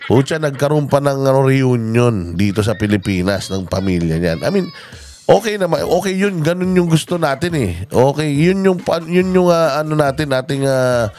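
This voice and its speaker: A man giving impassioned political commentary, halting with many fillers and outbursts of swearing. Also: mid-range voice, animated, a little mellow, faint music behind. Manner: hesitant, many fillers, switches into English, angry swearing.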